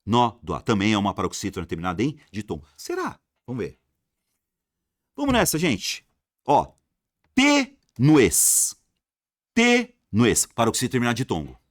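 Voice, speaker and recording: A man's voice: medium pitch, wildly swooping pitch, a little slow, pauses often, no room sound, clean studio sound. A man teaching an exam-prep grammar lesson, repeating rules emphatically and answering imagined student questions.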